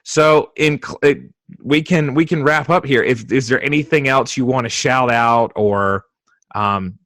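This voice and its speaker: A man's voice: mid-range voice, unhurried, fairly bright tone, no echo, studio quality. A man hosting a podcast as a therapist, asking questions eagerly and explaining ideas in a casual, affirming way. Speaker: podcast host, EMDR therapist.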